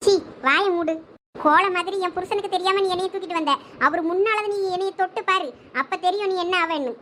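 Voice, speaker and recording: A woman's voice: extremely high pitch, a little fast, sharp tone, slight background noise. A woman playing a kidnapped young wife who is defiant but frightened in a village drama. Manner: defiant, fearful prayer.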